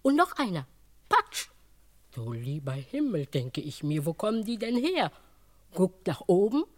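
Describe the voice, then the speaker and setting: An actress playing an excitable, easily frightened female cook who chatters in a breathless, gossipy way, in a radio play. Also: very high-pitched, a little fast. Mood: alarmed.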